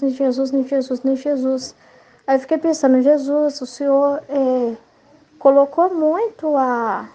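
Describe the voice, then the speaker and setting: Brazilian lady, middle-aged, high voice, earnest rambling catholic study chat, lots of tag questions. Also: dark tone. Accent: Brazilian Portuguese. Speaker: Catholic lay study leader. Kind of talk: devotional reflection.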